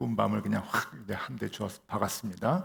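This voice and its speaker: Speaking at a moderate pace and medium pitch, a man shows vocal fry. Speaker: guest preacher. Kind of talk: sermon. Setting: church evening service. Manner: calm, sleep-inducing delivery.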